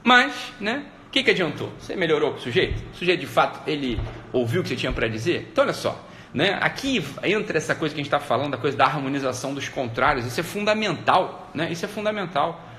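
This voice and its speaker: Fast-talking man hosting a casual live stream. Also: fairly high pitch, slight background noise. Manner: rambling, repetitive "né?" tags, animated when retelling. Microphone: streaming mic.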